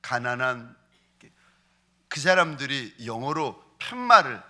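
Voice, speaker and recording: A man preaching a sermon as a pastor, acting out quoted voices and slowing into prayer. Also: mid-range voice, big pitch swings, pushed and bright. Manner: acts out quoted voices in his preaching, ends in slow prayer.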